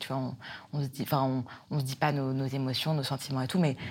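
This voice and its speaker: Speech comes at a very fast pace in a very clean recording with a silent background. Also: woman. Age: 20s. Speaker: social media content creator. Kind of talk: interview. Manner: halting.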